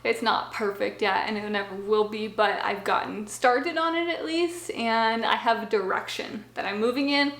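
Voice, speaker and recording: Young woman vlogger, casual and chatty, slightly high voice, echoey small room. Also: moderate pace, hardly any pauses, fairly bright tone. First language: English. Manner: chatty, with frequent fillers and asides. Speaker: language-learning vlogger. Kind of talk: casual explanatory talk to camera. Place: small home office.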